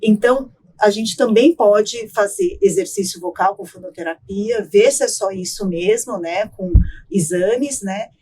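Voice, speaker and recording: A middle-aged woman, an ENT doctor, explaining voice care in an interview in a measured way, often ending with tag questions. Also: medium pitch, animated, mellow, breathy edge. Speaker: ENT doctor, guest expert.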